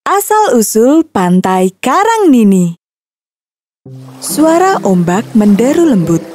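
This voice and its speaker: A woman narrating a children's fairy tale in a scripted, expressive storybook manner. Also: on the high side.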